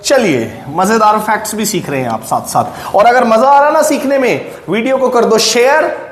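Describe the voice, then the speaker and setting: A man teaching English grammar in a classroom with an Indian accent. He explains slowly and keeps checking in with his students. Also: high-pitched, lively intonation. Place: classroom with a whiteboard. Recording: echoey room with faint noise.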